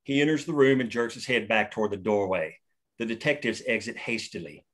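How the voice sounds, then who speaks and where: A man reads a screenplay's action lines aloud at a table read, steady and matter-of-fact. His voice sits somewhat low. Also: fairly quick. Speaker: stage direction reader.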